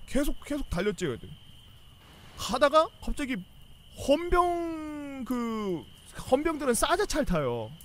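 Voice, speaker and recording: Young guy telling a story, high voice, all over the place, yells the officers' lines. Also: a little slow, slight background noise. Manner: animated, swearing, acts out yelling officers. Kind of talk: casual anecdote telling.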